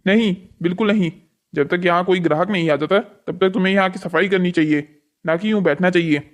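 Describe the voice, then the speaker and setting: Bossy hotel boss played by a man, fairly high-pitched. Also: a little fast, lightly acted. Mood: stern, bossy. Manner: bossy, commanding. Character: stern, exploitative hotel boss, an adult man. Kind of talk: scripted cartoon story dialogue.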